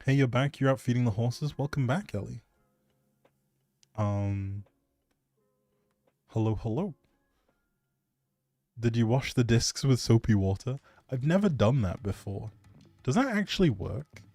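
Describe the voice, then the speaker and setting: A man with a medium-pitched, dark voice hosts a casual gaming livestream, answering chat in animated but rambling, hesitant talk that often trails off. He speaks at a measured pace with long pauses. Music plays behind him, with no room sound.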